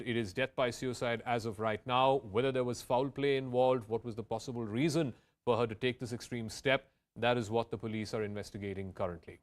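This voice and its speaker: A man with an Indian accent anchoring live television news, sometimes repeating words as he goes. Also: medium pitch. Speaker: news anchor and debate host.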